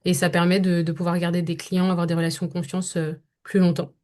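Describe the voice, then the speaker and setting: A young woman with a fairly low voice answers interview questions about her voice-over work. She thinks aloud, stops often and restarts her sentences. She speaks French as her first language. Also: little pitch movement, fast talker, a little mellow. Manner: thoughtful, many hesitations and restarts. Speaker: voice-over actress, guest. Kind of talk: podcast interview conversation.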